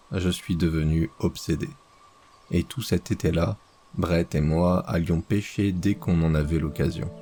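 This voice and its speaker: A man reading a horror story aloud as scripted narration, slow and measured. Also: sits low, creaky, dark tone.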